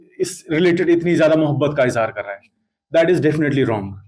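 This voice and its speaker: A man's dark, mellow voice moves with ordinary pitch variation. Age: 30s. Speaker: cricket commentator. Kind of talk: interview.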